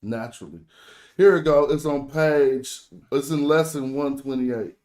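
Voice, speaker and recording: An American man hosts a relaxed online language lesson. He speaks African American Vernacular English at a middling pitch, with informal, slangy phrasing as he explains things to the group. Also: unhurried. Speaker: host and language teacher. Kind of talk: casual teaching chat in an online group call.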